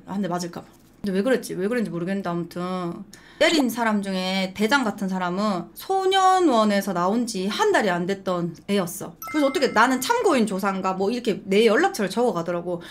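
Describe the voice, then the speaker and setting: A young adult woman hosting an eating show, chatting frankly and telling stories between bites. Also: mid-range voice. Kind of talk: casual eating-show chat. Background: faint background music.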